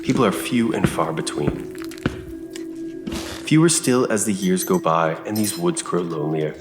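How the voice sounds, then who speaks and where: An actor playing an old, lonely country reverend in an audio drama, solemn and hospitable, with measured, formal phrasing. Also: male voice, deep voice, animated. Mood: solemn welcome. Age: older. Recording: roomy echo under music.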